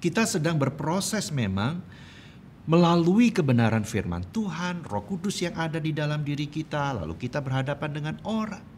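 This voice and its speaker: A man's voice: fairly high pitch, animated, fairly quick, hardly any pauses, a little hiss or hum. A middle-aged man preaching a sermon as pastor, telling personal stories and building to fervent emphasis. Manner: storytelling, swelling to fervent emphasis.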